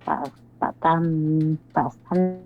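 A woman's voice: deep voice, steady tone, takes it slowly, slight background noise. A woman calling in to a radio show over a phone line that sometimes breaks up and sounds robotic, chatting and passing on greetings. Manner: chatty, reels off greetings to listeners. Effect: phone line, breaking up robotic at times. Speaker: radio caller. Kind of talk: casual call-in chat.

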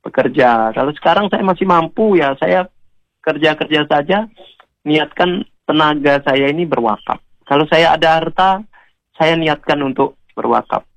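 A man, an Islamic preacher on a radio show, gently exhorting listeners and addressing them directly. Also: fairly high pitch, normal speed, creaky, no room sound, poor audio. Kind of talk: radio sermon answering callers.

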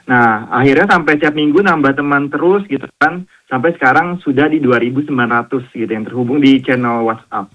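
A man from Jakarta answering questions as a radio guest, hesitant and friendly, full of pauses. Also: mid-range voice, fairly bright tone, lo-fi sound. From Jakarta, Indonesia. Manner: hesitant, many fillers and restarts, friendly. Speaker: guest, founder of a swimming community.

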